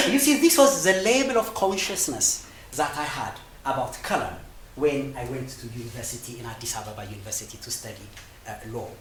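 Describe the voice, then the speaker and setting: Lively, hesitant man with an Ethiopian accent. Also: medium pitch, a little fast, echoey room, a little hiss or hum, low-quality recording. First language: Amharic. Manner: hesitant, with many fillers and restarts, often laughing between phrases. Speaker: storytelling speaker. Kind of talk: personal storytelling talk.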